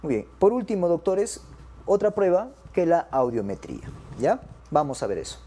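A man's voice: on the high side, big pitch swings, moderate pace, mellow, slight background noise. A man giving an exam-prep medical lecture to doctors. He keeps checking in with his listeners and addresses them as doctors.

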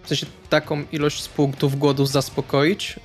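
Even-toned, higher-pitched male roleplaying player. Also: moderate pace. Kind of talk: game talk, asking and reporting rolls. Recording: faint guitar music behind.

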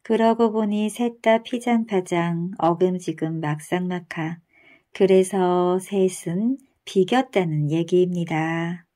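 A woman narrating a traditional folktale in a gentle, unhurried bedtime storytelling manner. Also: on the low side.

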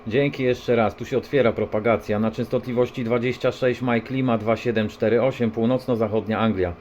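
A man's voice: medium pitch, steady tone, fairly quick. A man working as a CB radio operator, talking casually as he exchanges contacts over the radio. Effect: CB radio transmission. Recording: muffled, very noisy CB radio recording.

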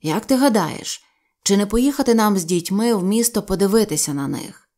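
A woman's voice: mid-range voice, animated, normal speed, warm tone, close to an everyday voice. A woman voicing a peasant father sharing news in a storybook reading, in her own conversational voice. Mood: eager.

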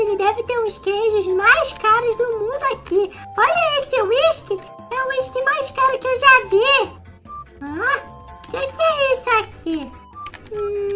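A woman hosting a gaming channel narrates her game role-play in an excited, chattering way. She exclaims often. Her voice is extremely high-pitched, with clear background music under it.

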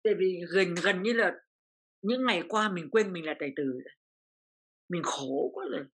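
A woman's voice: fairly low pitch, moderate pace, a bit bright. An older woman from Vietnam, an interview guest, telling a personal story with feeling and repeating phrases as her voice rises.

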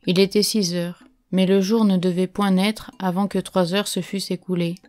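A woman reading an adventure novel aloud as an audiobook narrator, in a measured, steady way. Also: medium pitch. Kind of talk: scripted narration.

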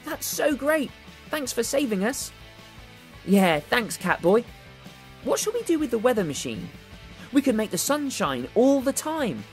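A woman's voice: a little high, big pitch swings, measured pace, long pauses. A woman voicing an earnest, brave child superhero in an exclamatory way for a children's toy story. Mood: cheerful. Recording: music behind the voice.

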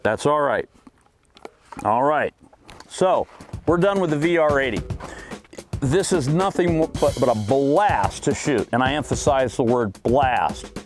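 A man's voice: mid-range voice, expressive, measured pace, long pauses, soft background music. A middle-aged man, hosting a firearms demonstration and explaining each step plainly. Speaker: host.

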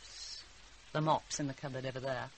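A woman's voice: extremely low pitch, steady tone, moderate pace, a little hiss or hum, poor audio. An actress playing a wry, weary middle-aged mother in a radio drama. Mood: placating.

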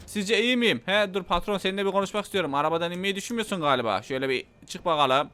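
A man giving excited gameplay commentary, speaking as his in-game character and yelling and cursing at the characters around him. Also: sits high, racing, smooth. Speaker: gaming YouTuber.

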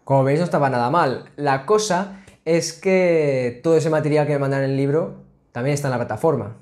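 A man's voice: fairly high pitch, fairly quick. A man in his twenties talking casually to his webcam from a small home office, chatty and full of restarts. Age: 20s. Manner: chatty, restarts and filler sounds, animated hand gestures. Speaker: student vlogger. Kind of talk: casual explainer vlog. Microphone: laptop webcam, framed at a desk.

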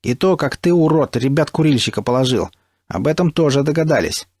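A man's voice: fairly high pitch, animated, brisk, no room sound, clean studio sound, pitched above the performer's own voice. Man doing a brash, taunting stalker. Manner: loud, taunting. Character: brash, rough-talking male stalker.

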